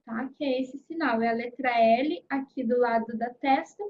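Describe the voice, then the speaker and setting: A woman's voice: on the high side, moderate pace, highs cut off, slight background noise. A woman teaching a sign language course in a recorded online lecture, explaining step by step and checking in with her students often. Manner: explanatory, frequent "né?" and "tá?" check-ins.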